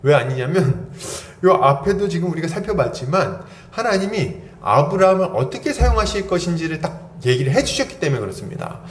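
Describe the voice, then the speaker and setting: Korean-speaking pastor guy, 40s, preaching, voice bounces up and down a lot, kinda highish, roomy church echo. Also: a little fast, hardly any pauses. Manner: animated, asks the congregation many rhetorical questions. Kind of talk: sermon. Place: church sanctuary. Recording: roomy church echo, faint background hum.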